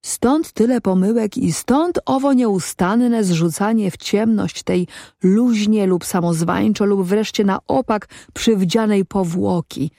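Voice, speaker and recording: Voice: medium pitch, slow pace, creaky, dark tone, no room sound, clean studio sound. A reader voicing a solemn black goat who philosophizes. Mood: solemn musing. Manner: archaic, ponderous moralizing. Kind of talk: audiobook reading.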